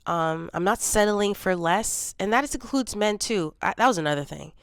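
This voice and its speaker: A woman in her forties talking candidly in a reflective personal vlog, congested from a cold and low on energy. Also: normal speed, no room sound, studio quality. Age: 40s. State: congested, dry cough. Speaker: vlogger.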